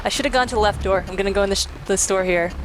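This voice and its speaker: A woman's voice: mid-range voice, racing, background noise. A woman hosting a let's play, giving casual, wry commentary with some swearing as she plays. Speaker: let's play host, player. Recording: game music behind commentary.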